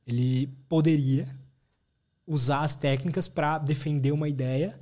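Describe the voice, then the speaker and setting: A man's voice: fairly high pitch, fairly even intonation, unhurried, mellow. A man talking in a casual podcast chat, thoughtful and reflective.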